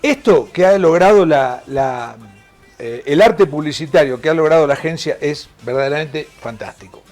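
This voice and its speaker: A man's voice: fairly high pitch, normal speed, a little mellow, faint music behind. Argentine man co-hosting a TV show. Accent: Argentine Spanish. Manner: chatty, joking, reads out ad figures. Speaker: TV show co-host. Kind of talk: casual TV talk show banter.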